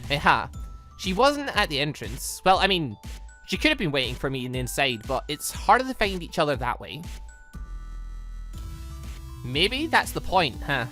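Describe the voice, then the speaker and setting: A gaming host doing let's play commentary and reading game dialogue aloud, animated and rambling, with self-questioning asides. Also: mid-range voice, normal speed, pauses often. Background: game music.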